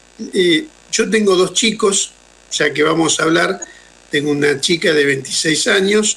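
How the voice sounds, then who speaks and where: A man's high-pitched voice, bright and sharp in tone, with ordinary pitch variation and very even loudness. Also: fairly slow pace. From Argentina. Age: 50s. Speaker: interview guest. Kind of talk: radio interview. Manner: halting.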